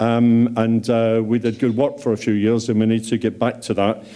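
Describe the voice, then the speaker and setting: Noticeable background noise can be heard. A man is talking over it. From East London. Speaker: member of parliament. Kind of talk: welcome speech at event. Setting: parliament room with standing audience. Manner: hesitant, many fillers.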